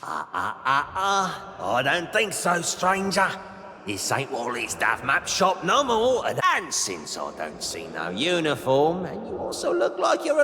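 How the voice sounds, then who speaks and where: Putting on a gruff character voice, a man speaks high for a man at a fairly slow pace. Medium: video game. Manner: gruff, stammering.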